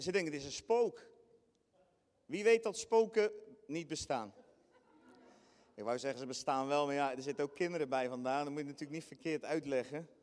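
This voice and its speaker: A man preaching a lively sermon, acting out scenes with sudden high shrieks and bursts of laughter. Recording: long hall reverb in a church.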